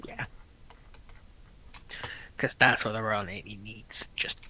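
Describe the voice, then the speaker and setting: A man's voice: lowish voice, fairly even intonation, takes it slowly, bright, forceful tone, slight background noise. A man chatting casually as a co-host on a live talk. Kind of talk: casual chat.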